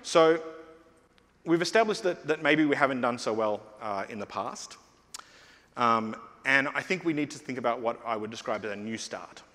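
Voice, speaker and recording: A man's voice: mid-range voice, normal speed, fairly bright tone. A middle-aged man giving a conference keynote on stage, talking conversationally with frequent fillers and restarts. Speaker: keynote speaker. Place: large conference hall stage. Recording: long hall reverb.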